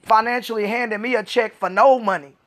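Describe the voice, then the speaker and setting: A woman's voice: fairly high pitch, steady tone, a little fast. A woman, a Special Olympics athlete, venting in a vlog monologue, frustrated and profane, repeating herself. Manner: frustrated, repetitive, profane ranting.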